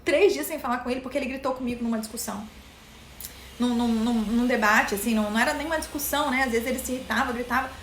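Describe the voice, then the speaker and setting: A woman with a Brazilian Portuguese accent, speaking high in her range, chats directly with her viewers during a casual live session. Her voice carries a roomy echo, with a faint hiss underneath. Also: fast, fairly bright tone. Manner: chatty, addresses viewers directly. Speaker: mental health content host.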